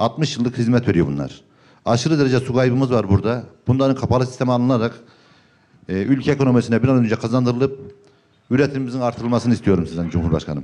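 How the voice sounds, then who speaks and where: Ordinary pitch variation runs through this man's very fast speech. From Turkey, Tokat. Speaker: village headman and farmer. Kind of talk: town-hall chat. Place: hall. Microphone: handheld.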